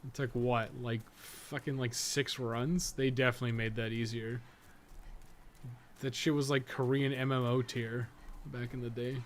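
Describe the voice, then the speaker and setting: A man's voice: medium pitch, little pitch movement, normal speed, a little hiss or hum. A man giving casual, profane live game commentary, chatting informally and often muttering to himself as he plays. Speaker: gaming podcast co-host.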